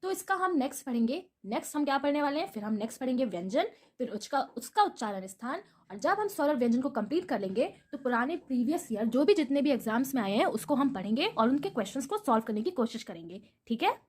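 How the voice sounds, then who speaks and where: A woman's voice: high voice, big pitch swings, fast talker, few pauses, a little mellow, husky. A woman teaching Hindi grammar in a video lesson, patiently repeating memory tricks and asking rhetorical questions before answering them.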